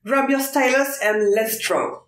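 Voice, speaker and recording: A woman in her thirties with a French accent, casually presenting a sketchbook tour in halting English as an illustrator and channel host. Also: high-pitched, a bit bright, faint music behind.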